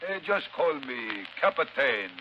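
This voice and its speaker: An actor playing a ruthless pirate captain with a Hispanic accent, gravelly and mockingly polite in broken English, in 1930s radio style. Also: male voice, mid-range voice, big pitch swings, takes it slowly. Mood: sly, menacing. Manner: broken English, sly chuckling menace. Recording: dull, hissy old 1930s radio recording.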